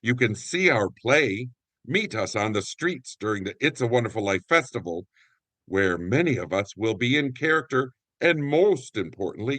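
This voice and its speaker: A man's voice: mid-range voice, a bit bright, no room sound. A man speaking as a community theater actor and announcer, explaining things conversationally. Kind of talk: conversational guest interview and warm sign-off narration.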